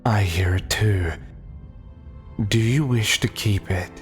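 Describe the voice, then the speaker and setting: Man voicing a deep, slow, sinister cult leader. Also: faint music behind. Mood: grave, menacing. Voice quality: deep, haunting. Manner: slow, solemn, archaic, menacing. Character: sinister commanding male cult leader in doe mask.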